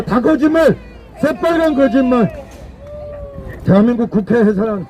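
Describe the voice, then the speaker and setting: This is an outdoor political rally speech, fiery and declamatory, in which a man repeats phrases for emphasis. His voice is extremely high-pitched yet warm, and the low-quality recording carries a faint hiss or hum.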